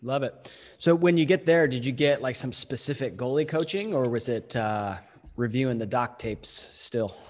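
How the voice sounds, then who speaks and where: A man hosting a podcast, asking relaxed interview questions. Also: medium pitch, moderate pace, in a large hall. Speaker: podcast host.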